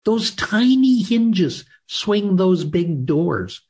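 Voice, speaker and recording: A male interview host who speaks slowly and emphatically, with large swings between loud and soft. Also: sits high, sing-song, slightly rough. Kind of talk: interview hosting.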